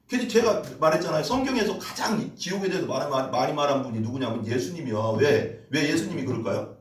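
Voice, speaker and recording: A male pastor preaching a sermon with emphatic rhetorical questions, switching between formal and casual speech. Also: mid-range voice. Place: church sanctuary. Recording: echoey church room, voice from a distance.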